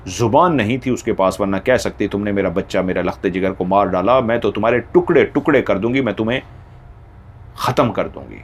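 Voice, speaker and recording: A man voicing a grieving, vengeful mother cat, threatening in a low, menacing tone. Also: brisk, husky.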